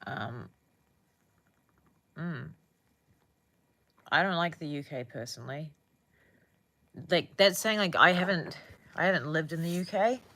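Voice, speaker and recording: A woman's voice: sits low, measured pace, pauses often, bright, forceful tone. A young woman with a New Zealand accent chatting casually with viewers on a livestream, rambling and often searching for words.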